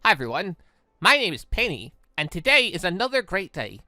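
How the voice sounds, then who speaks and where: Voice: mid-range voice, very animated, brisk, sharp tone, no room sound, clean studio sound. A gamer reading aloud as a cheerful, earnest robot girl from a visual novel, with chirpy, formal wording. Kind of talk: reading game dialogue aloud.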